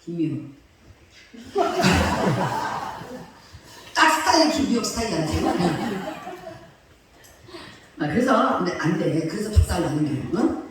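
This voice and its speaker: A woman's voice: medium pitch, very animated, brisk, long pauses, far from the mic. A woman pastor preaching a sermon in a colloquial, emphatic way, often throwing rhetorical questions at her listeners. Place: church sanctuary. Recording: very echoey church hall, heard from afar with faint noise.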